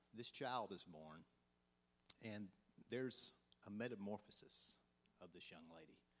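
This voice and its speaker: A man in a Southern US accent talks with long, frequent pauses in a fairly low voice. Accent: Southern US, country. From Georgia, US South. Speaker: lay teacher. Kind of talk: church lesson. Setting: church. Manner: casual, conversational.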